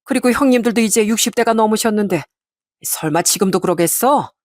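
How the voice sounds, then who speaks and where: A woman voicing a kind, middle-aged father who gently coaxes his family in an audio story. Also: medium pitch, a little fast, dry recording, lightly acted. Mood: persuasive. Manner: gentle, coaxing.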